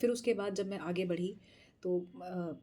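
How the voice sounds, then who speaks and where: A woman vlogger casually recounting a travel adventure, animated and laughing often, slipping English phrases into her talk. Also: fairly low pitch, a little slow. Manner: mixes English phrases into speech. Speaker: tarot channel host.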